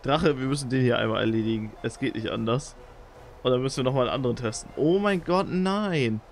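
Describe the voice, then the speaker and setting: A young man doing live, excitable commentary on his own gameplay, talking straight to his viewers. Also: fast talker, a little hiss or hum. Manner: excitable, talks to viewers, jumps into high squeals when excited. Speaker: let's play gamer.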